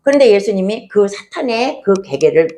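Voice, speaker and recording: A woman's voice: medium pitch, big pitch swings, moderate pace, warm tone, a little hiss or hum. Conversational woman pastor preaching. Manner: storytelling, conversational, asks rhetorical questions. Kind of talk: sermon.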